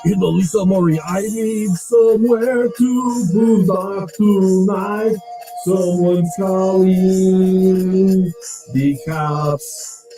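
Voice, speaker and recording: A sick, lonely trucker streamer, hoarse and scratchy-throated, whines and begs for donations, as a man plays him. His voice sits high for a man and comes out dark and mellow. He drawls slowly, with faint music underneath. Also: fairly even intonation, exaggerated voice. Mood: droning song. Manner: whiny, self-pitying, coughing. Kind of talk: comic parody clip.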